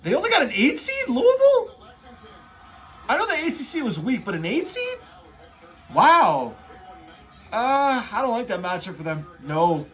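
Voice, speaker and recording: High-pitched, animated frat-bro guy. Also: measured pace, pauses often. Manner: excitable frat-bro talk, heavy on "bro" and "dude". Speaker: host reacting to a tournament bracket. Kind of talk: casual off-the-cuff sports reaction.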